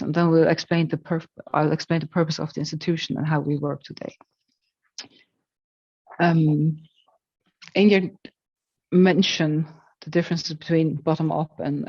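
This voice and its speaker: A woman, a career counselor presenting in a webinar, speaking hesitantly with many pauses and restarts. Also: sits low, darkish tone, breathy edge, no echo, muffled recording. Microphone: video call.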